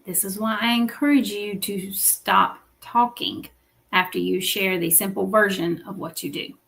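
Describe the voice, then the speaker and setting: Woman, middle-aged, livestream business coach, gravelly fry, mid pitch, coaching tone, frequent check-ins. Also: fairly even intonation, a little slow, a bit bright. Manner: coaching, checks in with repeated "okay?" and "right?". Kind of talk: motivational livestream teaching.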